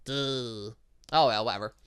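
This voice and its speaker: A man's voice: mid-range voice, unhurried, fairly bright tone, smooth. A man doing let's play commentary on a visual novel, reacting aloud and rambling off into asides. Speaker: gaming YouTuber reading a visual novel aloud.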